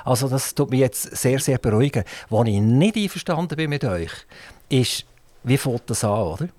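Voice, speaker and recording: Swiss German radio host, rambling questions. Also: male voice, mid-range voice, expressive, normal speed, darkish tone, no echo. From Switzerland. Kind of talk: radio interview. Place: radio studio.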